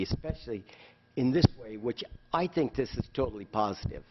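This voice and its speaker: A man speaking as a council member at a public meeting, earnest and halting as he searches for words. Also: medium pitch, highs cut off, a little hiss or hum. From Los Angeles.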